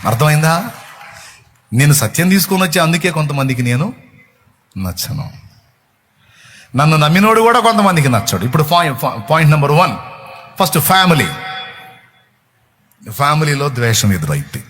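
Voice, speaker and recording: Impassioned male preacher, high-pitched. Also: sing-song, moderate pace, long pauses, fairly bright tone, slight background noise. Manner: impassioned preaching with rhetorical questions. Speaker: pastor. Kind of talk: sermon.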